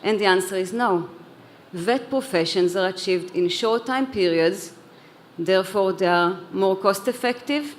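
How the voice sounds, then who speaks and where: A woman's voice: medium pitch, slight background noise. A woman who grew up in Israel, speaking earnestly on a conference panel, with a few restarts and repeated words. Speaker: panelist, head of an education organization. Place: conference hall.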